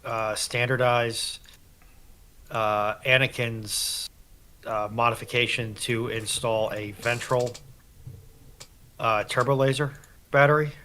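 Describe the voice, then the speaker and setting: Bright, forceful-voiced man in casual debate. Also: medium pitch, fairly even intonation, slow, pauses often. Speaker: panelist.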